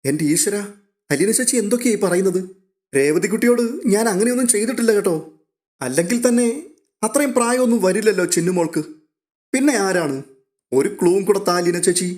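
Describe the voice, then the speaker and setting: A man voicing an excitable young man on a phone call, full of eager, disbelieving exclamations. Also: high voice, a little fast, pauses often, pitched above the performer's own voice, natural voice. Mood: excited, astonished.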